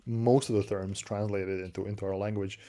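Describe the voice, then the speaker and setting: A man's voice: fairly low pitch, fairly even intonation, a little fast, warm tone. A man with a Serbian accent, a native Serbian speaker, co-hosting a casual tech stream. He chats loosely, laughs often, and repeats words while he hunts for the right one.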